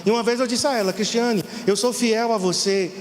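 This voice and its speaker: A man's voice: sits high, steady tone, fairly quick, big-room sound, a little hiss or hum. A middle-aged Brazilian man preaching a fervent sermon to his congregation as pastor. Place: church hall.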